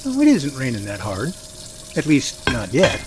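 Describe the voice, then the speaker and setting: A man's voice: mid-range voice, huge pitch swings, normal speed, slight background noise. A man playing an easygoing field researcher who coaxes playfully, in an amateur audio drama. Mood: coaxing.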